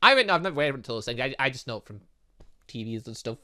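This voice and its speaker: A man hosts a video game playthrough with a bright, forward voice. His pitch jumps around in a very lively way. He rambles playfully and breaks into exclamatory asides as he comments. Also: quick pace. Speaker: gaming channel host. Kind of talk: excitable let's-play commentary, reading dialogue aloud.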